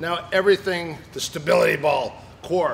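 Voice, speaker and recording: Light background noise sits under the recording. The speaker is a man. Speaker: coach at a seminar. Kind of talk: seminar talk with anecdote. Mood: relaxed, humorous. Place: gym. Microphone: camera far.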